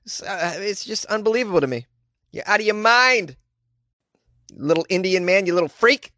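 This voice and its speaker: Male comic host, slightly high voice, dry close sound, incredulous and mocking. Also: lively intonation, normal speed, sharp tone, no room sound. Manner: incredulous, mocking, frequent laughter. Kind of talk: comic commentary on news stories.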